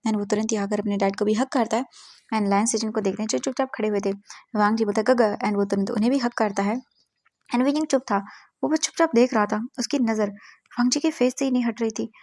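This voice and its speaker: A woman's voice: on the high side, darkish tone, no echo, clean studio sound. A woman narrating a fan fiction story in a casual telling, reading every character's lines in much her own voice and mixing English words in. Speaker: fanfiction narrator.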